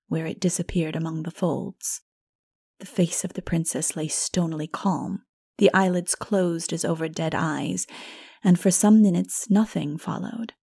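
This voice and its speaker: A woman narrating a dark fantasy audiobook dramatically, in a solemn, measured manner that is hushed at times. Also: fairly low pitch, creaky.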